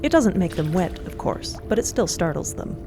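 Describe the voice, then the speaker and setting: A woman's voice: fairly low pitch, sing-song, normal speed, over music. A woman narrating a scripted fantasy audio drama as a descriptive storyteller.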